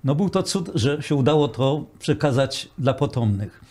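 An older man speaks as a guest in a talk show, his voice husky and mellow. He rambles through his story and repeats words as he goes. He acts out the voices of the people he quotes. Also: mid-range voice, expressive, moderate pace.

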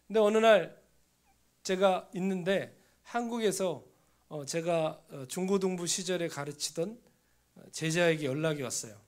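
A male pastor in his thirties preaching a sermon, telling a personal story and sometimes dropping to a hushed near-whisper. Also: sits high, moderate pace. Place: church sanctuary.

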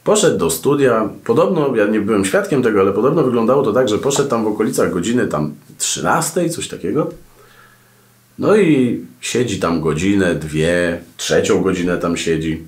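Male podcast host, low-set voice, lively ironic delivery, recorded in a reverberant room. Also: moderate pace. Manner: animated storytelling, ironic, frequent asides. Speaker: podcast host and radio presenter. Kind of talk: casual advice talk to camera.

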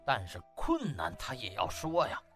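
A man tells a comic story in a dramatized audiobook style. His delivery is extremely lively and varied in pitch, with faint music underneath. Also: moderate pace. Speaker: audiobook narrator.

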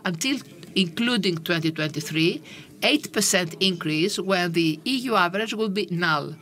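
Woman, conference interpreter, lowish voice, halting measured pace, faint background hiss. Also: fairly bright tone. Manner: halting, measured delivery with frequent pauses. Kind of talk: simultaneous interpretation of a panel discussion.

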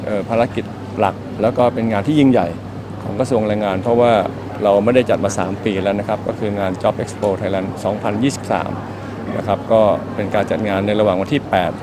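A middle-aged man, a government official giving a formal press statement in an indoor hall, polite and steady with frequent hesitation fillers. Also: on the low side, brisk, background noise. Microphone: press microphones held up close.

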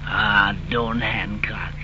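A courtly Mexican gentleman in a 1930s radio play. His speech is formal and very unhurried. The old recording is dull, with clear hiss. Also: fairly low pitch, flat delivery. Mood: courteous. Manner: formal, slow, ceremonious.

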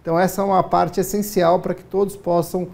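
A man in his forties with a warm, gravelly voice, speaking as a studio guest on a TV morning program. He talks in a formal, measured way, stopping often on small fillers. His lapel mic picks him up clearly in the studio. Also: high voice, flat delivery. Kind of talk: TV interview answers. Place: TV news studio.

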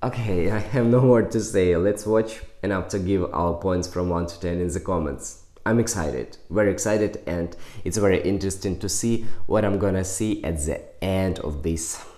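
A man in his twenties from Ukraine, a native Russian and Ukrainian speaker, giving an excitable reaction commentary in simple English with small slips. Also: deep voice, moderate pace, hardly any pauses, echoey room. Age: 20s. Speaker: music reaction vlogger. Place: small indoor room with ornate sofa.

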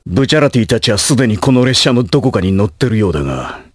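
A man playing a ruthless, proud gangster assassin in an anime video game, husky, with theatrical, menacing, rough tough-guy speech. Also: lowish voice, big pitch swings, fast, dry recording, clean studio sound. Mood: cold, menacing.

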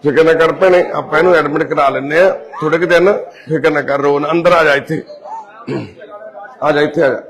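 A man, a charity volunteer, who gently questions families and reassures them. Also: on the high side, steady tone, brisk, pauses often. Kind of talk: casual conversation.

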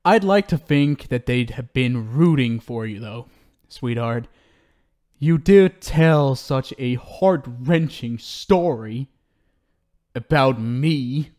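A man's voice: medium pitch, animated, slow pace, darkish tone. A man playing an obsessive, unhinged talk show host in an ASMR roleplay, cooing and theatrical, syrupy and menacing. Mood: gloating, calm. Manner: cooing, theatrical, swinging between sweet pet names and pleading. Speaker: audio roleplay performer.

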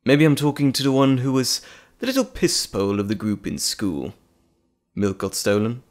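A man playing a gloating, sinister evil alter ego in an audio drama, with a mocking, theatrical, drawn-out delivery. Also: medium pitch, expressive, lightly acted. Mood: sinister, taunting.

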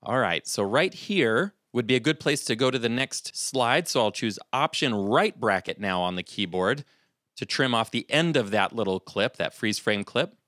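A middle-aged man hosting a software tutorial, calmly walking through each step at his computer. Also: mid-range voice, normal speed, no room sound, studio quality. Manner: calm step-by-step explaining. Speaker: video tutorial host. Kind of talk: screen-recorded software tutorial.

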